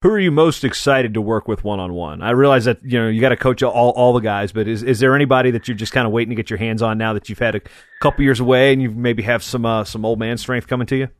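A man's voice: medium pitch, fast talker, no echo. Chatty male podcast host, dry sound. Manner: conversational, chatty questions. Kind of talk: podcast interview.

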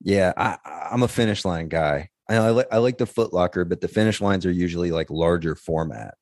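A man's voice: low-pitched, brisk, darkish tone, no room sound, clean studio sound. A man co-hosting a podcast, chatting casually with rambling conversational asides. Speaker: podcast co-host. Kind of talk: casual chat.

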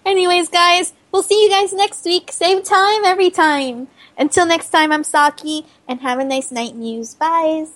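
A woman hosts a casual gaming podcast in a high voice. She sounds tired and rambles through her sign-off plugs. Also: fairly even intonation, a little slow, hardly any pauses, fairly bright tone. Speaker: podcast host. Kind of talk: casual chat.

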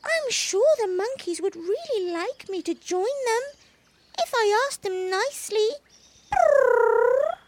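A woman voicing an eager little male kitten who meows and pleads in a squeaky voice. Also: lively intonation, slow, long pauses, heavy background noise, full character voice. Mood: pleading.

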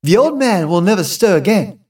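A male narrator voicing an excited young man recounting a murder he saw. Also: a little high, moderate pace, distant mic, natural voice. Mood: agitated. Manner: excited, urgent storytelling. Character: agitated young husband, shaken witness.

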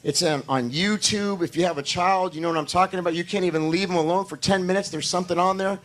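Hoarse male pastor, high-pitched, repetitive and emphatic preaching style. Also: steady tone, fast, a bit bright. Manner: talks to the congregation directly, asking for amens. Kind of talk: sermon.

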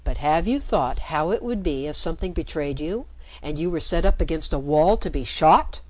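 A woman voicing a grave, calm father who speaks in a measured way. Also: low-pitched, low-quality recording.

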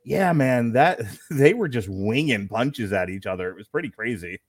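A man's voice: mid-range voice, expressive, normal speed, no room sound. Chatty man hosting a fight stream. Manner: chatty, laughs often, jokey asides. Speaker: host of a live fight-night stream. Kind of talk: casual live commentary chat.

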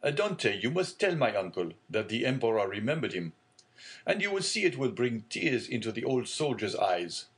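A man's voice: medium pitch, big pitch swings, normal speed, close to an everyday voice. A man voicing a genial, fatherly middle-aged shipowner.

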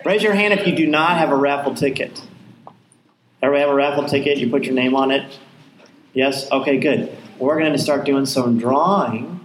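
A man's voice: medium pitch, brisk. A man hosting a live fan event, talking casually to guests and audience from a stage. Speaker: host of a live fan panel. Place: indoor convention stage before an audience. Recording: roomy live event space, background noise.

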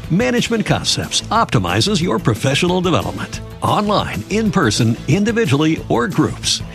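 Lively gravelly commercial voice-over man. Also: a little high. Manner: upbeat, polished sales delivery. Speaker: commercial announcer. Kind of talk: modern radio ad read.

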